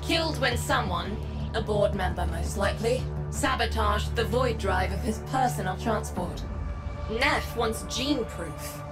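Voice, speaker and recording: An actress playing a tough, determined underground resistance leader in a video game, blunt, sardonic and commanding. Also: female voice, medium pitch, lively intonation, unhurried, loud music behind the voice, lightly acted. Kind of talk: dramatic video game acting.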